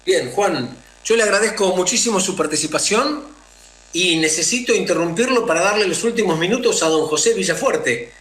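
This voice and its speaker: A man's voice: high voice, animated, normal speed, a bit bright. A man hosting a radio interview, polite and formal as he moderates his guests. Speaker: radio host. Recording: roomy echo.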